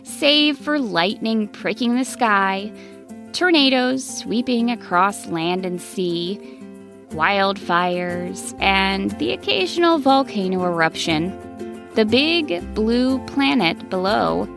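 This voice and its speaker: A woman storyteller narrating a children's bedtime story expressively, in deliberate short phrases with dramatic pauses. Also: mid-range voice, animated, vocal fry. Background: music.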